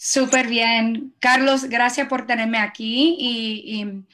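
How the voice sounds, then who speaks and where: A middle-aged woman as an interview guest, telling a personal story haltingly with many fillers and restarts. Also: fairly high pitch, little pitch movement, sharp tone. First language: Spanish, Portuguese spoken at home.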